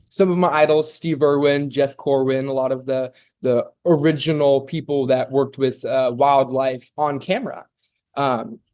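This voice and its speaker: A man from Oklahoma speaks as a podcast guest in a slightly high voice. His talk is casual and meandering, full of "um"s and "and stuff.". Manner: relaxed and rambling, with many "um"s and "and stuff". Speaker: guest, zoo founder.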